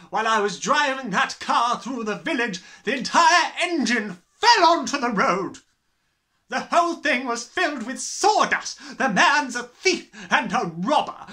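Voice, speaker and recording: A man voicing a harsh, sneering, bullying middle-aged headmistress in a children's storybook, with snapping, drawn-out emphasis. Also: very high-pitched, pushed and bright, voice pushed up, full character voice. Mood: furious, menacing. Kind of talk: dramatised children's storybook reading.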